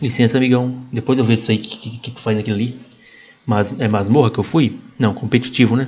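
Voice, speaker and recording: With a Brazilian accent, a man speaks at a fairly quick pace, his loudness swinging widely. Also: medium pitch for a man. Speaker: gaming YouTuber. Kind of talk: gameplay commentary. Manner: animated. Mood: relaxed, playful.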